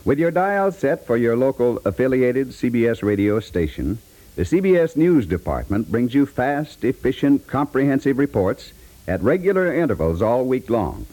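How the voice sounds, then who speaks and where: An American man reading a scripted 1950s network radio promo as an announcer, with polished, measured delivery. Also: medium pitch, very animated, dark tone.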